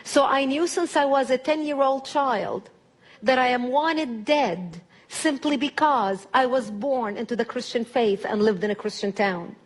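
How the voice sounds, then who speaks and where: A middle-aged woman speaks to a church audience, her voice sitting a little high. She delivers her testimony in measured, emphatic phrases, pausing deliberately between points. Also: rough recording. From Lebanon. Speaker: guest speaker.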